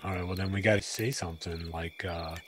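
A man's voice: low-pitched, steady tone, fairly quick, a little hiss or hum. A man speaking as a band guest in casual, joking banter with a laid-back manner. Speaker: musician, band member guest.

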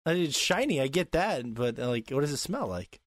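A man's voice: on the high side, big pitch swings, fairly quick, dry recording, studio quality. A man joking around as a podcast co-host, full of playful interruptions. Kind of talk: casual podcast chat.

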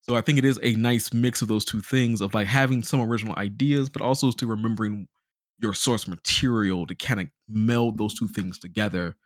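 A man's voice: on the low side, steady tone, fairly quick, dry recording, studio quality. A young man co-hosting a podcast in casual chat, slangy and wry. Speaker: podcast co-host.

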